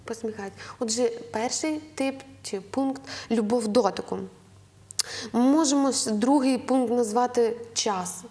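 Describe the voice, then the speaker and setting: Earnest young Ukrainian woman, slightly high voice. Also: moderate pace, warm tone. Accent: western Ukrainian. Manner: earnest, instructive, with frequent hesitation fillers. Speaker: guest on a Christian TV program. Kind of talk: advice talk on parenting.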